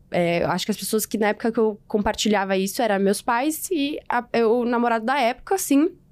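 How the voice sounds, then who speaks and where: A woman's fairly high voice with lively intonation at a moderate pace, in a very clean recording with a silent background. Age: 20s. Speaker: wellness communicator and podcaster. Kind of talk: interview conversation. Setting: studio. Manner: talkative.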